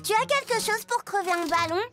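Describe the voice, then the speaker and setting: Casting: supportive, wry little cartoon girl, extremely high voice over loud music. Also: animated, brisk. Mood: coaxing. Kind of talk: animated children's cartoon dubbing.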